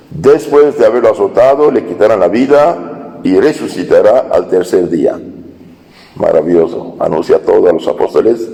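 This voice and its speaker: Priest, slow unhurried homily, mellow dark tone, echoing church hall. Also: male voice, on the low side. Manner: slow, storytelling homily with hesitations. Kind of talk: sermon.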